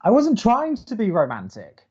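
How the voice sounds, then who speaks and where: A man acting as a young college radio co-host, dry, skeptical and sarcastic, with halting delivery in an audio drama. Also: high voice, huge pitch swings, darkish tone, slightly rough, muffled recording, exaggerated voice. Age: young adult. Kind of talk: naturalistic audio drama banter.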